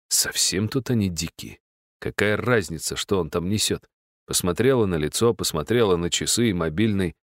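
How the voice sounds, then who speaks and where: Deep-voiced man reading an audiobook. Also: no room sound, clean studio sound. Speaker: audiobook narrator. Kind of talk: scripted audiobook narration.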